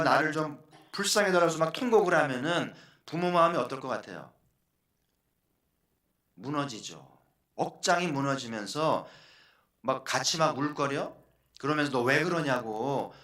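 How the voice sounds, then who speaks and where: A male pastor delivers an earnest sermon, often turning to his congregation with questions. His voice is bright and forceful at a middle pitch. The sound carries the echo of a church hall. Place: church sanctuary.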